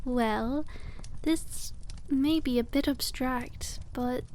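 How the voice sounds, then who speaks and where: A woman voicing a cute, friendly witch shopkeeper in a soft-spoken ASMR roleplay, explaining things with gentle enthusiasm. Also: high-pitched, drawn-out words, a little hiss or hum. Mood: gently enthusiastic.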